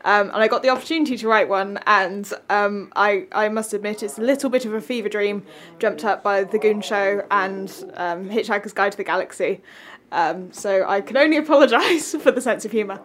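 A woman's voice: medium pitch, fairly quick, a little hiss or hum. A woman playwright talking in a hesitant, self-deprecating way, with many fillers. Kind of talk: casual chat.

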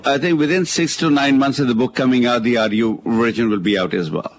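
A man's voice: medium pitch, brisk. A man with a South Asian accent talking conversationally as a legal expert on a radio call-in show, often repeating words as he explains.

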